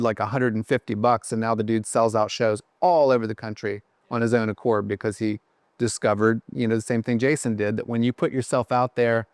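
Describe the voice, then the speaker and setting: A man's voice: medium pitch, a little mellow, no echo. A man guesting on a podcast, telling rambling, self-deprecating stories about his career with lots of fillers. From Ohio. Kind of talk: casual podcast chat.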